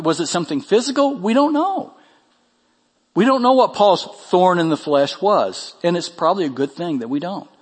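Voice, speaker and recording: A man's voice: on the high side, breathy edge, big-room sound. A pastor preaching a sermon with earnest delivery, his voice climbing when he reads scripture.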